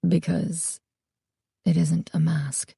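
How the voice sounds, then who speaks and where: A woman reading aloud, voicing a quiet, sorrowful male mask maker who speaks softly, close to a whisper. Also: fairly low pitch, fairly even intonation, unhurried, vocal fry, no echo. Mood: hushed. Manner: soft, hushed, half-whispering.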